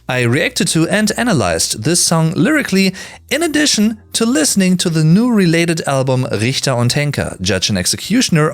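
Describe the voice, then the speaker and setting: A man's voice: fairly high pitch, creaky. A man in his early thirties, a native German speaker, giving emphatic, conversational music commentary as a video host. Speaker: music reviewer, YouTube host. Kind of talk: scripted countdown commentary with casual asides.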